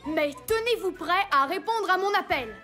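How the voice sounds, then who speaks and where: A woman's voice: extremely high pitch, lively intonation, normal speed. A woman voicing a brave, earnest little boy alien hero in a cartoon, childlike and commanding. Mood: eager. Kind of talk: cartoon dub acting. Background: prominent music.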